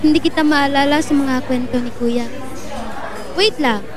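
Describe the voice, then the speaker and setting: An actress playing a skeptical, protective younger sister in a Filipino audio drama. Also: female voice, high voice, normal speed, over music, crowd noise, close to an everyday voice. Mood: suspicious.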